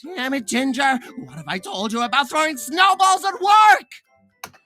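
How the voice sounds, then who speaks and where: A man voicing a small, irritable Christmas elf worker, exasperated and animated, in a cartoon style. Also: extremely high pitch, measured pace, faint music behind, full character voice. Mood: angry scolding. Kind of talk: cartoon character demo.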